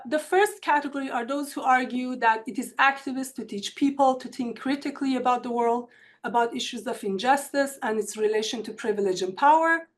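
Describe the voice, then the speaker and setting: Earnest woman lecturer with an Iranian accent. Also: a little high. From Iran. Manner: measured, earnest, reads prepared remarks. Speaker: university instructor. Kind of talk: academic webinar presentation. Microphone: computer mic on a video call.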